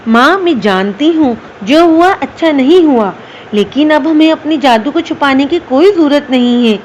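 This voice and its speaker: A woman's voice: sits high, lively intonation, moderate pace, darkish tone, slight background noise. A woman voicing an earnest, brave young magical daughter in a storybook tale. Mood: hopeful.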